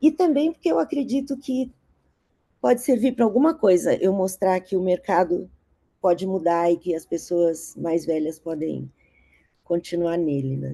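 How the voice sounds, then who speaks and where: This woman's voice has a medium pitch and a dark, mellow tone, with very wide pitch swings. She talks at a fairly slow pace with long, frequent pauses. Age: 60s. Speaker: strategy planning teacher. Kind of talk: online live talk. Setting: online live stream.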